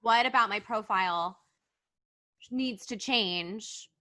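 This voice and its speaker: A woman hosting a casual podcast chat, chatty and quick with short interjections. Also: mid-range voice, bright, forceful tone, no echo, clean studio sound. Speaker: podcast host.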